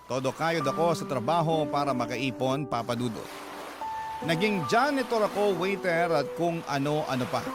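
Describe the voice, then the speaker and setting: A man's voice: mid-range voice, natural voice. A man playing a proud, resilient gay man, narrating his life story for radio with a Filipino accent in a confiding, dramatic way. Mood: determined pride. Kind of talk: dramatised first-person radio letter narration. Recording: loud music bed under voice.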